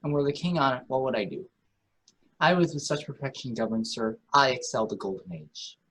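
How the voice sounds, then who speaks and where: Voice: medium pitch, expressive, brisk, a little hiss or hum, close to an everyday voice, low-quality recording. A performer reading a kindly, talkative, optimistic old courtier in a Shakespeare radio play, with earnest, wordy delivery. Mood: gently reproving.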